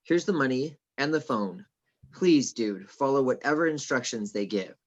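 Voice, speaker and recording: A man playing an earnest, anxious, officious personal assistant in a script table read, speaking formally and gravely. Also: mid-range voice, animated, moderate pace, muffled recording, natural voice. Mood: businesslike, worried.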